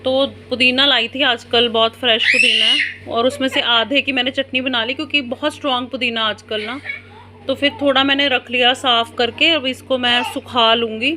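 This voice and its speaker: A woman's voice: a little high, fairly even intonation, moderate pace. A mother, vlogging casually at home at night and coaxing and soothing her children. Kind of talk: casual home vlog talk. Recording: noisy home phone recording.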